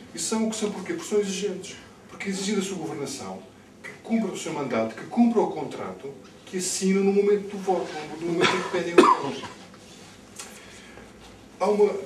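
Fast, emphatic Lisbon man, echoey distant recording. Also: a little high. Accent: Lisbon Portuguese. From Lisbon, Portugal. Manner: emphatic, repeats words as he builds points. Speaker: candidate speaking on a panel. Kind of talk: extemporaneous political talk at a public debate. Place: bookshop-like indoor room with seated audience. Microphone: far camera. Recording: distant camera mic, echoey, noisy room.

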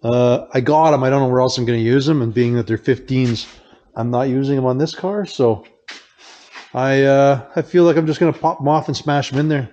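A middle-aged man hosting a casual behind-the-scenes vlog, rambling in a relaxed way and often trailing off to restart, recorded on a lapel mic. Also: medium pitch, brisk, muffled recording. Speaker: car builder and channel host.

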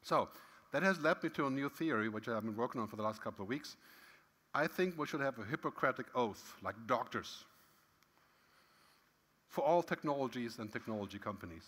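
A man's voice: medium pitch, a little fast, long pauses. Middle-aged male keynote speaker, casual and emphatic, hall echo. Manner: conversational, frequent "right?" tags, lively emphatic swings. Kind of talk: conference keynote talk. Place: large conference hall stage. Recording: long hall reverb.

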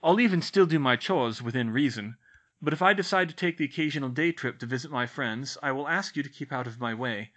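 A man's voice: medium pitch, a little fast, a bit bright, natural voice. A man voicing a defiant teenage boy who talks in a firm, self-assured way. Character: defiant teenage boy wizard, calm and smug.

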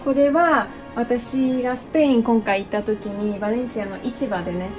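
A young woman chats easily and unhurriedly as she shows off her small bedroom, dropping English words in among plenty of fillers. She speaks close to a handheld camera in a small indoor room, with clear background music running under her voice. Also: on the high side, moderate pace. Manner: chatty, mixes in English phrases, many fillers. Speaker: vlogger giving a room tour. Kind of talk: casual chat to camera.

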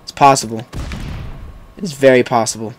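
A young man hosting a gaming video with casual, excitable live commentary and chatty asides to viewers. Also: mid-range voice, fairly quick, a little hiss or hum. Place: indoors, voice-over on game footage.

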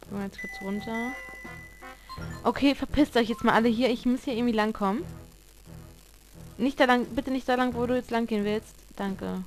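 A woman talks through her game in a loose, chatty way and swears at it when it annoys her. Her voice sits fairly high. Faint game music plays behind her. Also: normal speed, pauses often, low-quality recording. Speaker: let's player. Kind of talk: casual gameplay commentary.

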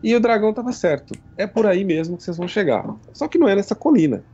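A man's voice: high-pitched, expressive, quick pace, dark tone, breathy edge, pitched above the performer's own voice, full character voice. A man voicing a kindly, teasing female goddess in a tabletop game, playful and affectionate. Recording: dull lo-fi stream audio.

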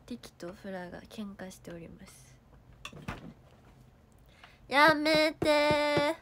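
A young woman, an idol livestreamer with a Kansai accent, chats casually on her stream, reading out viewer comments and thanking people despite a cough and a sore throat. Her voice is fairly low and a little mellow, with a steady tone and moderate pace, and there is slight hiss or hum.

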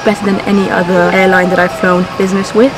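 A woman's voice: medium pitch, little pitch movement, fast, poor audio. A young woman vlogging from an airplane seat, chatty and enthusiastic as she shows things to camera, filmed at arm's length. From Persian-speaking family. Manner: chatty and enthusiastic, easily impressed. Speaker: travel vlogger. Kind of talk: casual travel vlog chat to camera. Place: airplane business class cabin. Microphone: handheld camera at arm's length. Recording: background music under the voice.

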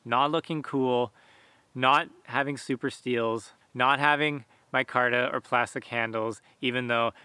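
Bright-voiced man talking in a forest. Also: medium pitch, measured pace, smooth, no room sound. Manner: relaxed, conversational, lots of fillers. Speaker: bushcraft channel host. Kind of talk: casual talk to camera. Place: outdoors in a forest. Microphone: camera at close range.

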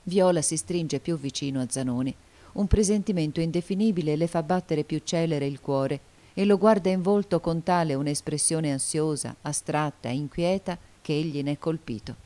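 Low, mellow-voiced woman narrating a novel. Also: normal speed. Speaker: audiobook narrator. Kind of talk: literary audiobook narration.

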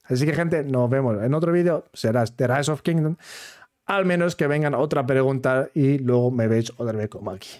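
Speaking to camera in a relaxed way, this gaming video creator from Switzerland uses Spanish that's careful and halting, clearly not his native language, and his Swiss accent comes through. He has a mid-range, slightly mellow voice.

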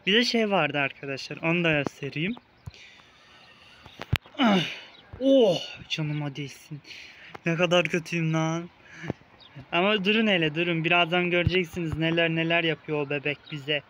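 A man's voice: fairly high pitch, normal speed, pauses often, fairly bright tone, a little hiss or hum. A young man hosting a casual let's-play, talking the viewers through the game and playfully teasing the game baby with mock insults. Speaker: gaming video host. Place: outdoors in a park.

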